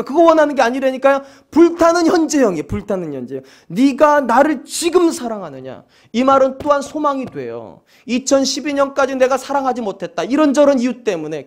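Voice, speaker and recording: A male senior pastor preaching a sermon in a church, acting out short exchanges of dialogue with a voice that rises and drops. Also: sits high. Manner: animated preaching, acts out dialogue with rising and falling voice. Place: church sanctuary.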